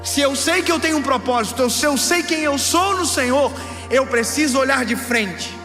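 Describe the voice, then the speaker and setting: A pastor in his thirties preaches a sermon at normal speed in a light, high voice, shifting between playful asides and near shouts. His words echo through a large hall with long reverb, and music plays clearly underneath.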